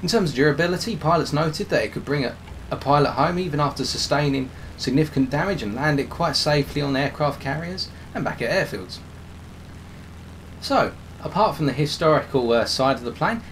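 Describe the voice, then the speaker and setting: Male game commentator, mid pitch, slightly hoarse, explanatory, faint noise behind. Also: lively intonation, brisk, low-quality recording. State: hoarse, losing his voice. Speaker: gameplay commentator. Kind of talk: game commentary over gameplay.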